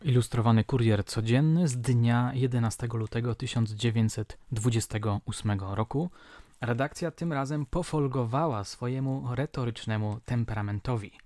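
A man's voice: mid-range voice, normal speed, mellow, no room sound. A man hosting a true-crime podcast, reading old newspaper reports aloud in scripted, theatrical narration and putting rhetorical questions to his listeners. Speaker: podcast host.

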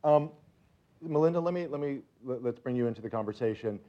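A man moderating a panel, asking conversational, somewhat halting questions. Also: medium pitch, lively intonation, mellow, dull audio.

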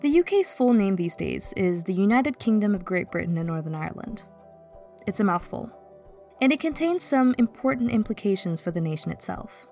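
A woman from Stockholm whose first language is Swedish, narrating a podcast in a measured, reflective way. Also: medium pitch, sing-song, warm tone, soft background music. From Sweden, Stockholm. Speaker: podcast host. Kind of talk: scripted narration.

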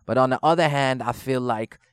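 A man's voice: mid-range voice, fairly quick, clean tone, dry recording. A man who grew up in the Netherlands, a rapper guest talking casually in street slang, peppered with swearing and "you know what I'm saying". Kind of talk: casual interview chat.

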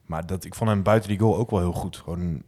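A man's voice: sits low, fast talker, a little mellow, breathy edge. A man co-hosting a casual football podcast, chatty, telling match moments with lots of fillers. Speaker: podcast co-host.

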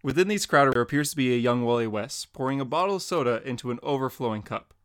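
A man's voice: mid-range voice, expressive, quick pace, fairly bright tone, clear, resonant tone, dry recording, studio quality. A man co-hosting a podcast, plainly reading out what happens in comic panels. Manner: plain, matter-of-fact. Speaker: podcast co-host.

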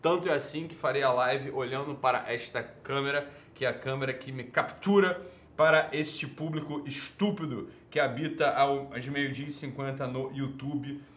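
A man with a Brazilian Portuguese accent, hosting a livestream and ranting sarcastically at his viewers. He swings between low muttering and loud shouting. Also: steady tone, normal speed, roomy sound. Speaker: livestream host.

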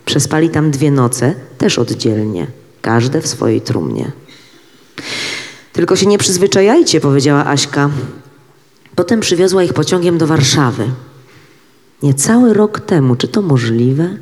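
A man reading a literary prose passage aloud in a measured way, with dramatic pauses. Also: on the high side, sing-song, darkish tone. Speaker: reader. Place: event hall. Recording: reverberant hall.

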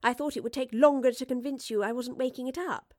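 A woman's voice: high voice, steady tone, warm tone, dry recording, clean studio sound, voice pushed up, lightly acted. A woman voicing an educated young Victorian lady inventor, earnest and anxious, in an audiobook story. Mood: relieved. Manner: well-spoken, earnest, halting when explaining. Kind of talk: acted audiobook dialogue.

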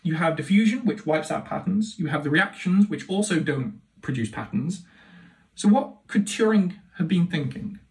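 A man's voice: a little high, lively intonation, normal speed, recorded from a distance, low-quality recording. A man speaking as a university lecturer, explaining in an enthusiastic, emphatic and conversational way. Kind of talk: explanatory academic talk.

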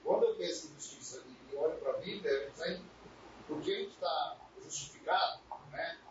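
A fairly high-voiced man speaks up in a group discussion, hesitant and stumbling over repeated words. He sounds far from the mic in a very echoey, noisy room. The audio is dull and lo-fi. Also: sing-song, normal speed. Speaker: study group participant.

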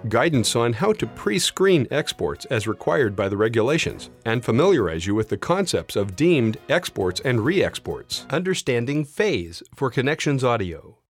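A man reading scripted training narration with clearly enunciated, instructional delivery, as an e-learning voiceover narrator. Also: mid-range voice. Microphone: close studio voiceover mic.

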